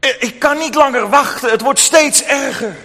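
A man voicing a desperate, pleading poor widow in a told story, his voice pushed high and insistent. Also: moderate pace, heavily acted. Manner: pleading, rising to shouting. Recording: long hall reverb.

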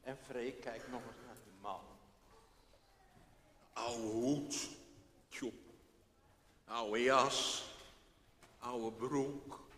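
A man reading a children's story aloud in an animated, expressive manner. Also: medium pitch, extremely slow, long pauses, a little hiss or hum. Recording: echoey hall, faint background.

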